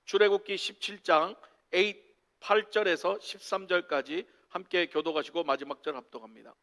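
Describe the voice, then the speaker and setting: A male pastor, preaching a sermon in an animated way and acting out the voices of people who complain. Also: high voice, normal speed, vocal fry. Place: church sanctuary. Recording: church sanctuary with long reverb.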